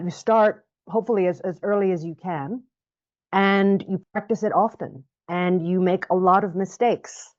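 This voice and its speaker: A woman speaking as an interview guest, reflective and expressive, often repeating words as she thinks. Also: on the low side. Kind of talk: interview conversation. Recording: muffled lo-fi recording.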